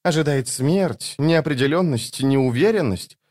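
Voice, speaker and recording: A man doing a high, imperious goddess of luck. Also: measured pace, darkish tone. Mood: sharp. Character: capricious twin goddess of luck, sharp, imperious.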